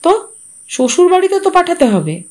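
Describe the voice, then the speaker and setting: A woman's voice: very high-pitched, big pitch swings, moderate pace, voice pushed up. A woman voicing a practical, anxious younger brother in a storybook reading, eager and persuasive as he explains things. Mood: urging.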